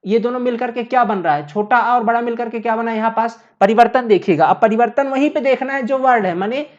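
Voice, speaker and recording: A woman with a slightly high voice talks quickly, and the recording has its highs cut off. She's teaching at a board, explaining step by step, repeating points, and posing questions she answers herself.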